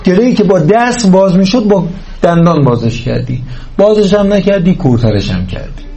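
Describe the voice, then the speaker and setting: A man's voice: high voice, lively intonation, warm tone, low-quality recording. A man giving a religious lecture on parenting to a live audience, speaking earnestly and checking in with his listeners through rhetorical questions.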